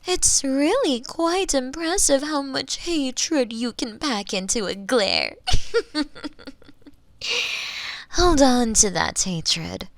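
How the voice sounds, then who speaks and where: A woman's voice: sits high, animated, slow pace, long pauses, dry recording, voice pushed up, exaggerated voice. A woman voicing a gloating, coldly sadistic female mad scientist in an ASMR roleplay, savoring her words close to a binaural microphone. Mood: gloating, delighted. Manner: theatrical, savoring, gloating, lapsing into whispers and giggles. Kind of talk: ASMR roleplay, theatrical monologue to the listener.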